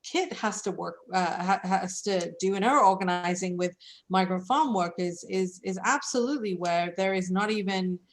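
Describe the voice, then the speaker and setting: A woman from England, speaking as a panelist in an online discussion. She talks earnestly and conversationally and often checks in with "right?". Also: lowish voice. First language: English.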